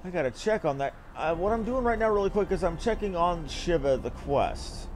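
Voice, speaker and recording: A man's voice: sits high, lively intonation, fairly quick, faint music behind. A man streaming a game, reading its dialogue aloud theatrically and adding casual, offhand commentary. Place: game stream with music behind the voice.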